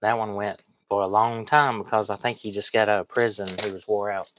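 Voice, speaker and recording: A man's voice: fairly low pitch, steady tone, a little fast, background noise. A man with a cold chats in a rambling, folksy way as he shows items to viewers in a casual livestream. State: sniffly, has a cold. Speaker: online reseller streaming.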